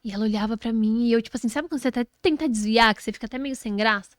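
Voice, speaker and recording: A woman's voice: fairly high pitch, rapid-fire, no room sound, studio quality. A woman with a Brazilian Portuguese accent, a guest telling a story in a casual interview and acting out what people said. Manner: animated, acts out quoted speech.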